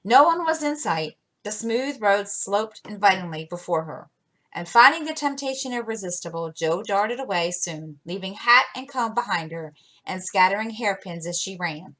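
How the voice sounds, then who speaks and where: A woman reading a classic novel aloud as a storyteller, with expressive delivery and occasional slips. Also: medium pitch, normal speed, low-quality recording.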